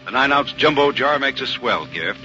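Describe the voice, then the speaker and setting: A man's voice: medium pitch, animated, moderate pace, bright, forceful tone, soft background music. An American man reading a 1940s radio commercial as a polished, punchy old-time narrator and announcer. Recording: narrow vintage radio sound, background noise.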